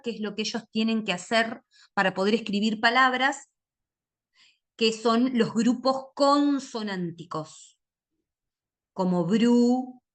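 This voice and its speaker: Lady teacher explaining phonics, slow and careful, kinda high voice, stretches out sounds. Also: fairly bright tone. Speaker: literacy teacher giving a training talk. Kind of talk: lecture with phonics demonstrations.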